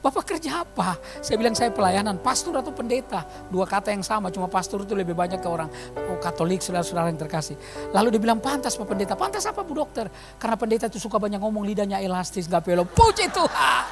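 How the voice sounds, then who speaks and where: A man in his fifties preaching a sermon in a church, telling stories and swinging from quiet asides to loud calls. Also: high voice, racing. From eastern Indonesia. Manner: animated storytelling, swings from quiet to shouting. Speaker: pastor. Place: church hall. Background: music.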